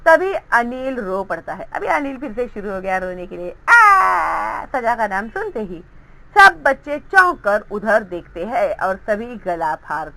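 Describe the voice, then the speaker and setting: A woman's voice: medium pitch, big pitch swings, unhurried, pushed and bright, low-quality recording. A woman teacher explaining a Hindi textbook story, reading its lines aloud and acting out the children's voices.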